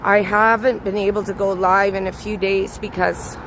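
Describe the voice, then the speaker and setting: A slightly hoarse woman chatting with her viewers as she walks a city bridge at night, greeting them by name. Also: medium pitch, flat delivery, normal speed. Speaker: livestream host. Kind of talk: live walking vlog chatting with viewers. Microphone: handheld camera on a gimbal. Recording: outdoor street recording with clear traffic noise. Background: traffic noise.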